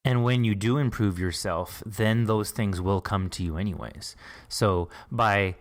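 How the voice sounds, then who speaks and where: A man's voice: on the low side, measured pace. A man hosting an informal interview, talking in an encouraging, effusive and reflective way. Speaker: podcast host and interviewer. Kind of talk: casual, reflective interview chat.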